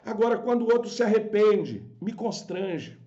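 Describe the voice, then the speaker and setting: Fervent Brazilian pastor, high voice. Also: male voice, animated, moderate pace, dark tone, highs cut off. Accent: Brazilian Portuguese. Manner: fervent, scolding, acts out quoted voices. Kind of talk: sermon on a live stream.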